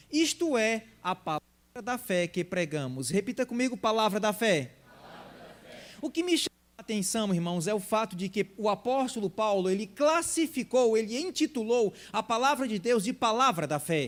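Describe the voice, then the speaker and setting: Talking in a northeastern Brazilian accent with hardly any pauses, a man uses a high pitch, with very wide pitch swings and big swings in loudness. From Ceará, Brazilian Northeast. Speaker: preacher. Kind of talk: sermon. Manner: deliberately slowed pace.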